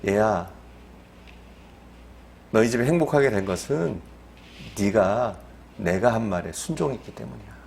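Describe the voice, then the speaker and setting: A man's voice: on the low side, animated, unhurried, vocal fry, pauses often, a little mellow, a little hiss or hum. A man voicing the Lord in a sermon story, speaking tenderly and coaxingly, as if to a child. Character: the Lord, a gentle fatherly male voice. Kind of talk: acted quote within a sermon.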